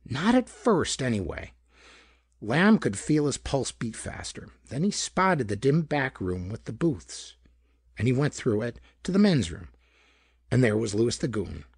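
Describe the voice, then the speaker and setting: A man narrating a pulp detective story in a gravelly, husky voice, with dramatic storytelling delivery. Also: medium pitch, very animated, a little slow, no room sound, clean studio sound. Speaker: audiobook narrator. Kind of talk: scripted narration of hardboiled pulp detective fiction.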